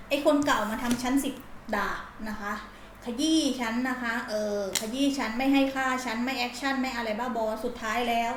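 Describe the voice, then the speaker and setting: A woman's voice: fairly high pitch, a little hiss or hum. A woman doing a casual tarot reading, speaking bluntly and in slang as she dramatically acts out the listener's feelings. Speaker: tarot reader. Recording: roomy echo.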